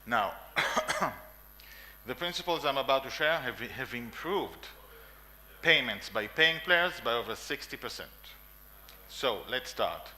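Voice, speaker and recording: A man's voice: medium pitch, animated, slow pace, bright, forceful tone, poor audio. A man in his forties with an Israeli accent, giving an emphatic conference talk with fillers and coughs in a meeting room. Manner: emphatic, repeats lists, frequent coughs and fillers. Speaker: conference speaker.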